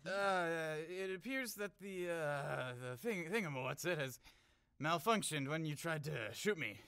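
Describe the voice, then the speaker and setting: A man's voice: on the high side, measured pace, pushed and bright, clean tone, no echo, studio quality. A man playing a bumbling, boastful thief in an amateur audio drama, blustering and stumbling over his boasts. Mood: flustered bluffing. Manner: hesitant bluster, stammering boasts.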